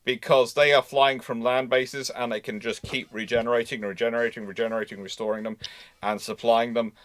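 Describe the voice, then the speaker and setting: A man hosting a live history talk, explaining off the cuff in a halting way, repeating and rephrasing for emphasis. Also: mid-range voice, little pitch movement, fairly bright tone. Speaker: host answering naval history questions.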